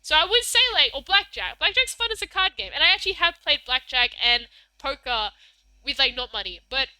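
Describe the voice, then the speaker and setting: A bubbly young Australian woman chats on a live stream, high-pitched and very bright in tone. Her voice leaps up and down constantly as she giggles and rambles with lots of fillers. The sound is close and dry. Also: animated, a little fast, dry recording. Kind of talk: casual live-stream chat, reading chat messages.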